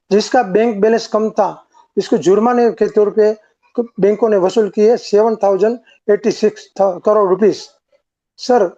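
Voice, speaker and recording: A man's voice: sits high, warm tone. A man speaking as a shareholder over a remote call line at an online meeting, earnestly pleading for changes. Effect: heard over a remote call line. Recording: dull lo-fi call audio.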